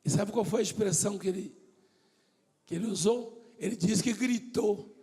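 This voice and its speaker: A Brazilian pastor preaching a sermon to his congregation, swinging from hushed talk to shouting and acting out dialogues. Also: sits high, normal speed, creaky. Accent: Brazilian Portuguese.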